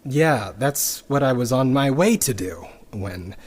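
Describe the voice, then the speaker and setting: An exasperated, wary crewmate in a sci-fi audio drama. The delivery is deadpan and hesitant, very slow, with big swings in pitch. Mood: awkward, dry.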